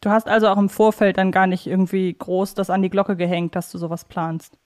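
A woman's voice: mid-range voice, little pitch movement, fairly quick, darkish tone. A woman asking conversational questions as a podcast interviewer.

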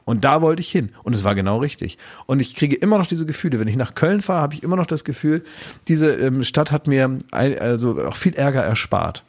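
A man's voice: medium pitch, slightly rough. A man from Oldenburg hosting a casual chat, thinking aloud in long rambling restarts. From Oldenburg, northern Germany. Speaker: podcast host.

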